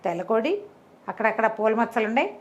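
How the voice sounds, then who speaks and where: A woman's voice: fairly high pitch, big pitch swings, fast talker, highs cut off. Woman acting aggrieved poor orphan village boy. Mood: upset, accusing. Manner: accusing, pleading.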